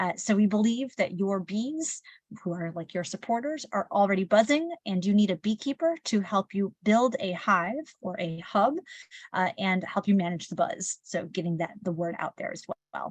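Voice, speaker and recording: Recorded dry and close with no echo, a woman speaks at medium pitch. Her voice is somewhat breathy, with lively intonation. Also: moderate pace. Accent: Midwestern. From Michigan, Detroit area. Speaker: public affairs consultant and trainer. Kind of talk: webinar training. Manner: animated.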